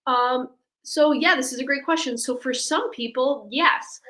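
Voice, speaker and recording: High-pitched woman explaining step by step. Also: unhurried, sharp tone. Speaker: immigration attorney, guest expert. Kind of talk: explaining legal steps in a webinar Q&A.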